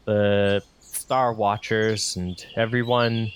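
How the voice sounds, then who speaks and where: A man's voice: lowish voice, level tone, slow pace, smooth. A man voicing a bewildered old male village elder in a tabletop game, speaking hesitantly and stammering. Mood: matter-of-fact.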